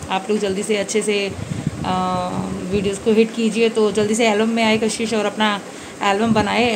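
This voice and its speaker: A woman in her thirties with a hoarse voice, chatting casually to viewers in a home vlog, holding a phone camera at arm's length. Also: medium pitch. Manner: chatty, addresses viewers directly. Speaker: vlogger. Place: small room at home, indoors. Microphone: phone camera held at arm's length. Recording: noisy home phone recording.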